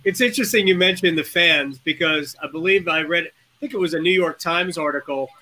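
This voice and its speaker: A man's voice: a little high, a little fast, pushed and bright. A man co-hosting a sports podcast, talking conversationally with lots of fillers. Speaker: podcast co-host. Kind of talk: casual podcast chat.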